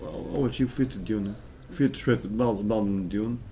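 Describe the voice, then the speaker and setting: A man's voice: fairly low pitch, rapid-fire. A man giving casual testimony as an aid recipient, starting and stopping as he talks. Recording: faint background noise.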